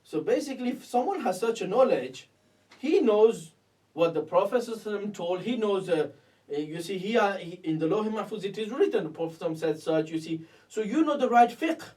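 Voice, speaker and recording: A man in his thirties with a South Asian accent gives a halting, repetitive religious lecture on texts, often punctuated with a tag phrase. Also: sits high, animated, darkish tone. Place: indoors at a desk in a small curtained room. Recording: distant microphone in a room.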